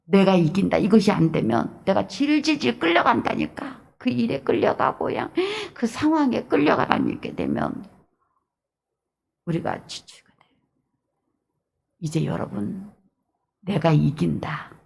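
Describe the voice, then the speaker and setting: A woman pastor with a Jeolla Korean accent, preaching an early-morning sermon in an emphatic, repetitive way with hushed asides. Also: medium pitch, huge pitch swings, a little slow, vocal fry, long pauses, breathy edge.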